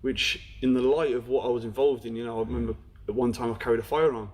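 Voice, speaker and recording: A young Black Country man, guesting on a podcast, candidly recounts his life at a quick pace. His medium-pitched voice is slightly rough with fairly even intonation, and he's frank, with "you know" scattered throughout.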